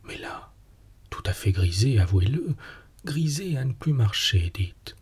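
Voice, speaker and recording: A man's voice: mid-range voice, big pitch swings, a little slow, heavily acted. A man whispering as a coaxing young wife, whispered role-play. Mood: mock-stern. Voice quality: whispered, breathy. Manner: coaxing, gently teasing.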